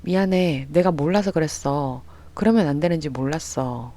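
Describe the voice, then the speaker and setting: An evasive old man caught flashing in a park, brushing off blame in a flat, mid-pitched voice, as a story narrator reads his lines. It is spoken with a plain read-aloud delivery and no big character voice. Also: normal speed, close to an everyday voice. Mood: pleading.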